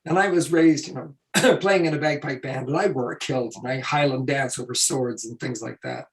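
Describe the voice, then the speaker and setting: A man illustrator telling stories on a panel, hoarse and losing his voice, speaking casually. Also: medium pitch, moderate pace.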